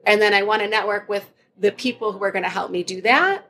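A woman's voice: medium pitch, fast talker, a bit bright. A woman co-hosting a podcast, talking casually and practically at a busy conference. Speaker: podcast co-host. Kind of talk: casual chat.

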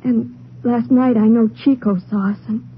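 A woman's voice: fairly high pitch, fairly even intonation, moderate pace, breathy edge. A woman playing an earnest, anxious, lovestruck young Mexican girl in a 1950s radio drama, pleading and emotional. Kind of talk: 1950s American radio melodrama acting. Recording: tinny, noisy vintage radio recording.

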